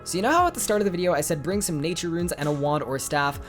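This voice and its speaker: A man's voice: fairly high pitch, animated, fast talker, fairly bright tone, soft background music. A man hosting a video game guide voice-over, slightly congested, upbeat and chatty with his viewers. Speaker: gaming guide host.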